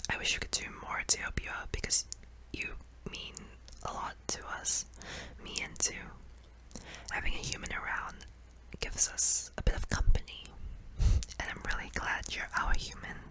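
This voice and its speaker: A performer voicing a kindly, apologetic sleep paralysis demon in a soft, hesitant, breathy whisper for an ASMR roleplay. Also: normal speed, close to an everyday voice, rough recording. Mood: fond, earnest.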